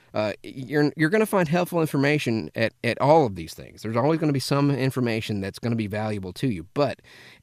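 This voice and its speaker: On a very clean recording with a silent background, a man speaks at a fairly quick pace with lively intonation. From US deep South (Tennessee, Arkansas, Mississippi area). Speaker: voice actor. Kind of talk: tutorial. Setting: home studio.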